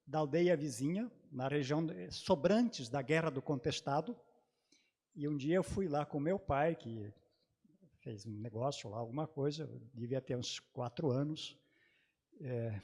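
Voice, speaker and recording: Male panelist, native German-dialect speaker, hesitant reminiscing delivery, slightly high voice. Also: a little mellow, husky. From Brazil, grew up in Santa Catarina. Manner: halting, many hesitations and restarts. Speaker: panelist at a theology congress. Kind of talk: personal recollection in a panel talk.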